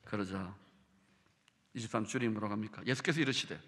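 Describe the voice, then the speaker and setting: A male pastor with a Gyeongsang accent preaching a sermon, swinging from hushed lines to loud ones. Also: lowish voice, fairly quick, in a large hall. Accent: Gyeongsang Korean. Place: church sanctuary.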